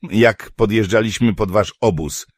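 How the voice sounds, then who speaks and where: A man's voice: lowish voice, measured pace, dry recording, clean studio sound, pitched above the performer's own voice. A man voicing a male mercenary who reports in a matter-of-fact way in an audiobook.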